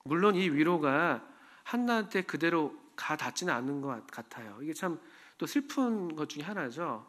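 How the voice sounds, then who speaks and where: In church, a very animated pastor delivers his sermon at a moderate pace, his slightly bright voice pitched a little above most men's. His tone with the congregation is easygoing and conversational, and he frequently poses questions to them.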